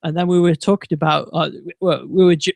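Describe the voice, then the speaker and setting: High-voiced man hosting. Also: steady tone, fast, gravelly, a little mellow, no room sound. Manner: meandering, many ums and restarts. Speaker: podcast host. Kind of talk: casual tech chat.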